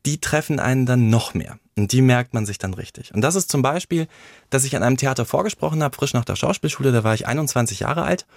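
A man's voice: mid-range voice, lively intonation, quick pace, vocal fry, no room sound, clean studio sound. A man, an actor, talking candidly in a personal conversation and reflecting on his experiences, often acting out what others said. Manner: reflective, tells stories with acted-out quotes.

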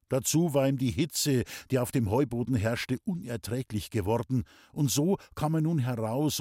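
A man reading a classic novel aloud as an audiobook, in even, measured storytelling. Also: medium pitch, husky, dry recording, clean studio sound. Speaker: audiobook reader. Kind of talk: scripted narration of a classic novel.

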